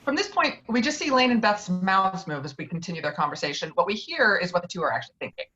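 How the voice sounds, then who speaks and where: A woman's voice: on the low side, expressive, fast talker, sharp tone. A woman reading out screenplay stage directions as the narrator of an online table read. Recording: dull, lo-fi online call audio.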